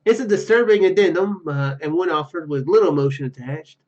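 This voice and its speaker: A male gaming host with a fairly high voice. He reads story text aloud and adds his own commentary. The recording is slightly dull and muffled. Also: fairly quick, darkish tone. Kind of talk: let's play commentary, reading game text aloud.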